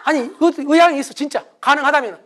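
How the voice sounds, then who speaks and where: A man's voice: very high-pitched, fast talker, a little hiss or hum. A middle-aged man giving a motivational lecture to an audience, acting out quarrels in a raised voice. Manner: animated, acts out quarrels in raised voice.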